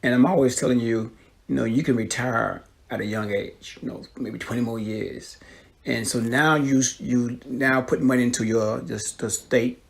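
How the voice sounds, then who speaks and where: A man's voice: mid-range voice, fairly even intonation, normal speed, vocal fry. A middle-aged man, a father, asking his son leading questions in a casual family chat.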